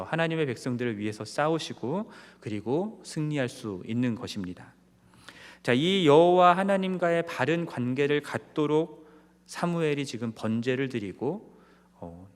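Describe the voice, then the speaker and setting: A male pastor giving an early-morning sermon in measured tones, asking the congregation rhetorical questions and pausing on filler sounds. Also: mid-range voice, smooth. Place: church sanctuary. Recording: long church hall reverb.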